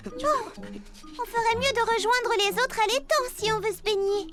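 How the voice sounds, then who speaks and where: A woman voicing a cheerful, kind young girl heroine in a French cartoon dub, with a bright, caring and curious way of talking. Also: extremely high pitch, moderate pace. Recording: cartoon soundtrack with loud music.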